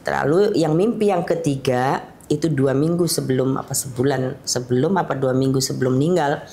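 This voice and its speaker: A woman's voice: rumbling low, brisk. A middle-aged woman, a mother recounting family memories in an interview and acting out the voices of her relatives. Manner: lively storyteller, acts out family dialogue. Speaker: grieving mother, guest. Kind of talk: tearful storytelling interview. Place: studio.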